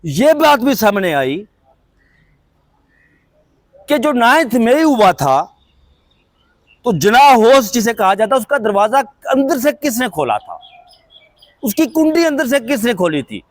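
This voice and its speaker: Pakistani man, political commentator; high voice, dry close sound, measured and critical delivery. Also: very animated, no room sound. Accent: Pakistani Urdu. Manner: measured, explanatory, pointedly critical. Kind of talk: news commentary to viewers.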